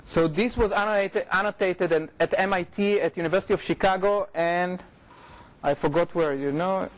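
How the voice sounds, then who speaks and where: A middle-aged man with an Israeli accent gives an informal academic talk, often halting, repeating and correcting himself. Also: high voice. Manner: informal, halting, frequent repetitions and self-corrections. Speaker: researcher giving a lecture. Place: lecture room, indoors.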